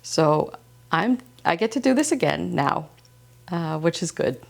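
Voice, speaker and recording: A woman from Iceland hosting a slow-living knitting podcast, speaking calmly and gently, first in reflective narration, then in casual chat. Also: fairly low pitch, creaky. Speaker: podcast host. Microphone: wireless transmitter mic.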